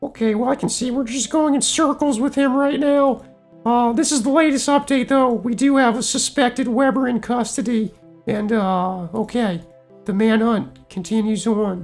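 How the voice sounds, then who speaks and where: A female-sounding voice uses a put-on character voice with a high pitch. The pace is moderate, with faint music in the background. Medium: game stream.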